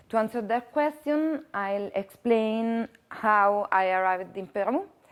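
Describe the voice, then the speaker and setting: In an Italian accent, a woman with a fairly high pitch speaks at a very slow pace. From Italy. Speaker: architect. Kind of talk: lecture. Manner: halting.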